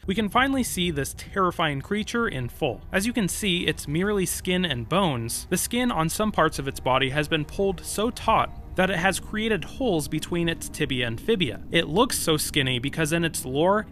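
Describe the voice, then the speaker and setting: Higher-pitched, lively man narrating game lore. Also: moderate pace, hardly any pauses, faint music behind. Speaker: gaming channel host.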